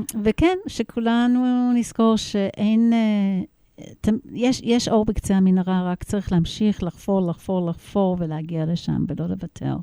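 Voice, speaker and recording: Dark and mellow in tone, a woman speaks at a fairly slow pace. Her pitch is medium, with ordinary variation. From United States. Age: 60s. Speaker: singer. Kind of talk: interview.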